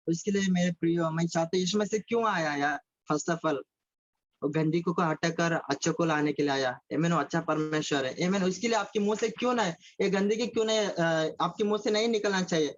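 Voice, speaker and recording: A man preaching a sermon over a video call, repeating phrases, asking his listeners questions and mixing in English words. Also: high voice. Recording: dull lo-fi call audio.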